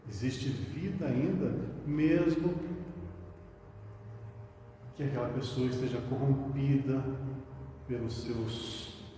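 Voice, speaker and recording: A spiritist lecturer reads brief passages and explains them through rhetorical questions, speaking slowly in a mid-range, dark voice and pausing often. He's recorded from a distance in the echoing hall of a spiritist center, with slight hiss or hum.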